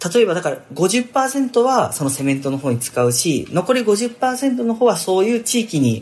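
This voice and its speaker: A man with a high voice talks at a fairly slow pace with hardly any pauses, his pitch swinging very widely. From Yamaguchi, Japan. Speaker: radio host and farmer-dancer. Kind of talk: casual interview. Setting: on location at a company.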